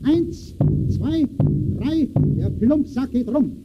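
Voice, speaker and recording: An actor playing an insistent, philosophizing voice of the times who addresses the listener in a radio play. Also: male voice, extremely high pitch, expressive, takes it slowly, over loud music, exaggerated voice. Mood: sardonic. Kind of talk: 1920s radio play declamation. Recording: muffled, hissy old radio recording.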